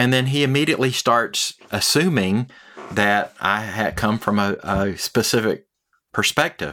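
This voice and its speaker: A man with a Southern US accent, medium-pitched and bright and sharp in tone, at a fairly slow pace with ordinary pitch variation and very even loudness, on a very clean recording with a silent background. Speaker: healthcare professional. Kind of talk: casual chat.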